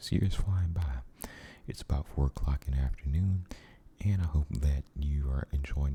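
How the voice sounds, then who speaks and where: Fairly slow and soft-spoken, the voice comes through quietly. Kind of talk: ASMR ramble talking to camera.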